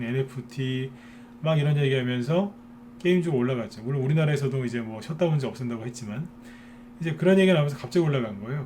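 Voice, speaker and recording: A man's voice: mid-range voice, a little mellow, a little hiss or hum. Chatty man giving a live stock lecture. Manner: chatty, many filler "ne" and tag questions to viewers. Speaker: stock market commentator.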